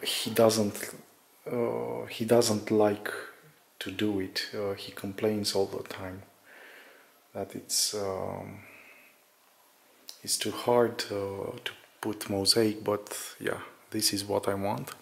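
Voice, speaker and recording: A man's voice: on the low side, level tone, takes it slowly, gravelly. A man giving an unscripted, casual video narration as a vlogger, speaking hesitantly and searching for his words. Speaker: vlogger showing an apartment renovation. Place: indoors in an empty apartment under renovation.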